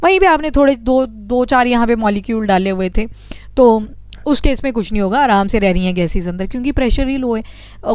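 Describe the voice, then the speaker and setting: Smooth-voiced woman teaching physics. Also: a little high, a little mellow, dry recording. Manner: explains step by step, asks and answers own questions. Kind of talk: exam-prep science lecture.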